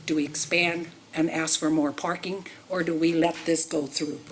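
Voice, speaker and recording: A woman's voice: sits low, flat delivery, moderate pace, slight background noise. A woman speaking at the podium during public comment at a city council meeting, pressing the council with questions.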